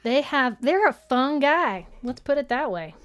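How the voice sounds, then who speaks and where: A woman's voice: high voice, expressive, unhurried, fairly bright tone. A woman co-hosting a live show with casual, slangy, playful banter. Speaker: show co-host.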